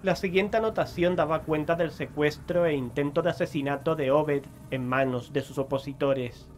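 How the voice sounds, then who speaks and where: An actor playing an investigator who narrates in a measured, expository way in an audio drama. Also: male voice, a little high, slight background noise, lightly acted. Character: male investigator narrating what old notes reveal.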